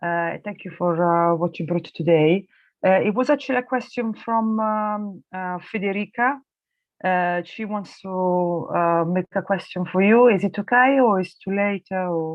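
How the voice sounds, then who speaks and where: Someone with an Italian accent speaks at a fairly slow pace. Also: woman, medium pitch for a woman, ordinary pitch variation. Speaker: interpreter for participant. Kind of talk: online workshop Q&A. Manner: halting, many fillers.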